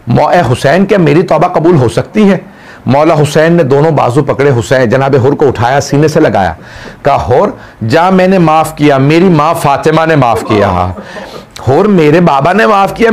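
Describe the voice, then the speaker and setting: A man's voice: on the high side, a little mellow. A man recounting a Muharram martyrdom story as a dramatic mourning sermon, building into a wailing chant. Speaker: religious orator. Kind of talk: Muharram majlis narration.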